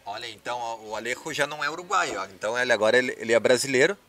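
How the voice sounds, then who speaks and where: A man in his thirties from the Brazilian border region, an interviewer asking questions in a relaxed chat in a backyard with a handheld mic. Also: medium pitch, racing. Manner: conversational, prompting questions. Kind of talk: casual interview talk. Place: outdoor backyard. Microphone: handheld microphone.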